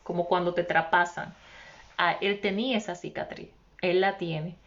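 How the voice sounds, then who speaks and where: A woman's voice: on the low side, fairly even intonation, moderate pace, lo-fi sound. A woman preacher giving an impassioned testimony and addressing her listeners as brothers. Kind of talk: testimony sermon.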